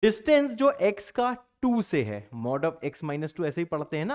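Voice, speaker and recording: Man, exam-prep math teacher; high-ish, very animated delivery; plays both sides of a classroom dialogue himself. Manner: plays both teacher and student in his own voice; chatty, fond of catchphrases like "bachcha party".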